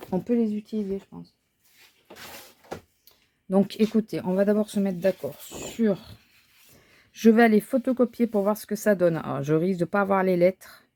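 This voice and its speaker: Warm and mid-range, this woman's voice belongs to a crafting vlogger chatting casually as she crafts. She thinks out loud, often using fillers and starting over.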